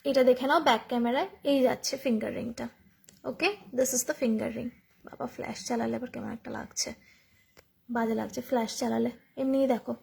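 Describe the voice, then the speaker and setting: A woman's voice: sits high, vocal fry, a bit bright. A woman with a Bengali accent selling jewellery on a live phone stream from home, chatty and repeating each price to viewers. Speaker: online jewellery seller. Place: home room. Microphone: phone camera. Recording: echoey room.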